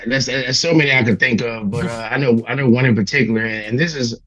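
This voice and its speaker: Raspy man, thirties, singer from Louisiana, casual reflective chat, dry slightly muffled sound. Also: medium pitch, fairly even intonation, fast talker, a bit bright, dry recording, faint music behind. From Louisiana, United States. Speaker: singer, interview guest.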